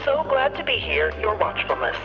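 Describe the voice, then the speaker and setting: A woman's voice: medium pitch, sing-song, moderate pace, highs cut off, natural voice. Woman playing a swooping, effusive radio presenter. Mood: gushing, deferential. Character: polished, chirpy female broadcast presenter and pitchwoman. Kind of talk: radio advert and live broadcast hosting. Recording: band-limited radio broadcast over music.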